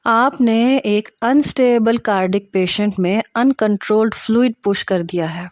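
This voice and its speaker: A woman's voice: a little high, a little mellow, no echo, lightly acted. Woman acting a stern, furious male doctor. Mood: stern anger. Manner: harsh, emphatic, reprimanding.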